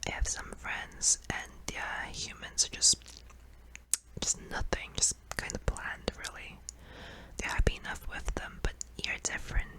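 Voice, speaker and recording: A performer voicing a kindly, apologetic sleep paralysis demon in a soft, hesitant, breathy whisper for an ASMR roleplay. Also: measured pace, close to an everyday voice, low-quality recording. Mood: fond, earnest.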